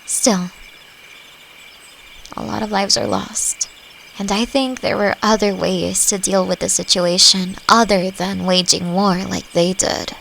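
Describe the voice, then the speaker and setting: Woman playing a gentle elf with creaky edges. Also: mid-range voice, steady tone, a little slow. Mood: reflective. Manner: gentle, reflective, conversational. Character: friendly, thoughtful female forest elf, long-lived and curious. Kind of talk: roleplay audio drama addressed to the listener. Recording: faint noise, nighttime forest insect ambience. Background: crickets and forest ambience.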